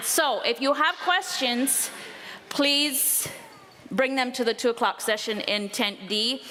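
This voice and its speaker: A woman's raised, projected voice sits high in pitch with ordinary variation. Noticeable background noise runs beneath it. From Pennsylvania, Old Order Mennonite community. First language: Pennsylvania Dutch. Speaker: homesteading speaker. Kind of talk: conference talk.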